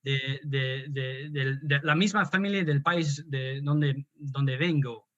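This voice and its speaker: Un hombre de Australia que habla español como segunda lengua, con pausas y muchos titubeos, conversando en una entrevista. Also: male voice, medium pitch, fairly bright tone, highs cut off. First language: English. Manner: hesitant, many restarts and fillers. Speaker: guest poet and translator. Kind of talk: conversational interview.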